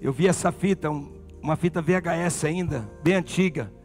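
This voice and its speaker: A pastor with a Brazilian Portuguese accent, preaching a sermon and telling a story with passion. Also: male voice, fairly high pitch, normal speed, creaky, a little mellow, faint music behind.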